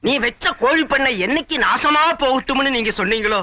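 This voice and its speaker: A man's voice: extremely high pitch, brisk, sharp tone, dry recording, heavily acted. A man playing a gullible village poultry keeper in an older film, praising a holy man with earnest, fawning devotion. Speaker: devout villager and father. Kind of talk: 1980s film comedy acting.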